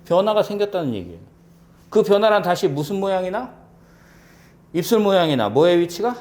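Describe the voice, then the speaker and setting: The voice is high and slightly mellow, a little fast, with big swings in pitch. It belongs to a man teaching Korean for civil service exam prep, who throws out rhetorical questions, answers them himself, and repeats key points for emphasis.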